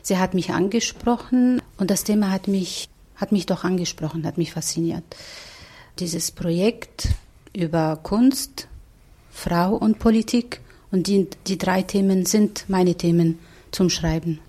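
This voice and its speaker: Slow, mellow woman. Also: lowish voice. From Tunisia. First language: Arabic. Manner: hesitant, with filler sounds and repeats. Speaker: guest artist and writer. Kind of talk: radio interview self-introduction.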